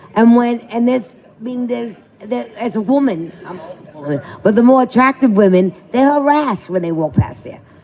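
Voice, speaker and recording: A woman with an American accent speaks at a moderate pace with lively intonation. Her loudness swings widely, and there is noticeable background noise. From Brooklyn, New York. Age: 60s. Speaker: community resident speaking at town hall. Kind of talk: public comment at town hall. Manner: halting.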